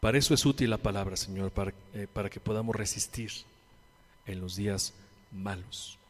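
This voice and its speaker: A man's voice: fairly even intonation, normal speed. Mexican man preaching in a reverberant hall. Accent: Mexican Spanish. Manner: preaching with rhetorical questions and call-and-response; swings between loud emphatic lines and quiet low ones. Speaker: pastor. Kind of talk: sermon.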